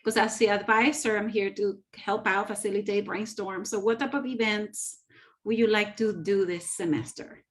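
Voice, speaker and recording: A woman, an advisor for a student association, asking questions in a relaxed meeting on a video call. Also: mid-range voice, normal speed. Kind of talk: casual meeting talk.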